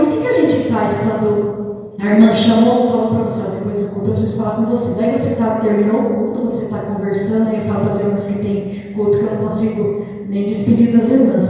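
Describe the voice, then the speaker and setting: Brazilian lady preaching to the church sisters, super mellow voice, lots of echo like a big hall. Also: mid-range voice. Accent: Brazilian Portuguese. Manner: preaches in a conversational way, often calling out to the sisters and brothers. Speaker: evangelist preaching at an intercession meeting. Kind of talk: sermon. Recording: distant voice in an echoey hall.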